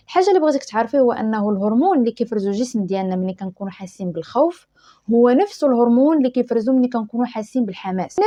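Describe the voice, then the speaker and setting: A woman with a Moroccan Arabic accent gives advice straight to her viewers in a fast, emphatic way. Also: on the high side, warm tone. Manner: rapid, emphatic, addresses the viewer directly. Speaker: YouTuber giving advice. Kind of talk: direct-to-camera advice talk.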